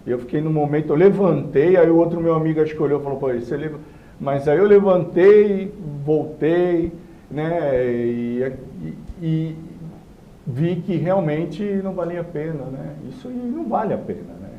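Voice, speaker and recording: Man, animated storytelling, pitched a bit high, muffled roomy recording. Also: moderate pace. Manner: animated, acts out quoted voices. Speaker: resident telling a story. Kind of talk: casual storytelling. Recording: roomy, dull sound.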